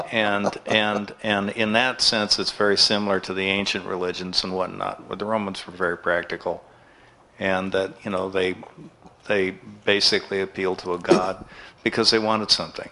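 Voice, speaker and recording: Audience guy musing, super deep flat voice, bright edge, some hiss. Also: moderate pace. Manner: thoughtful, rambling remarks. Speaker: audience member.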